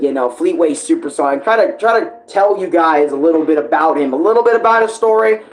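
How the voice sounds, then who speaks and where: A young man with a high-pitched voice gives casual fan commentary as an online creator, rambling informally with hesitations, digressions and swearing. The audio quality is poor.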